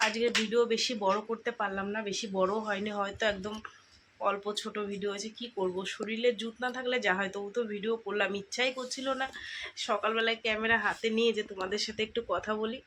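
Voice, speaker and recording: A woman with a hoarse, weak voice, talking softly and slowly to her viewers while sick with fever, chatting casually at home at night. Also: mid-range voice, steady tone, a little hiss or hum. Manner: soft, slow and tired. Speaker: vlogger.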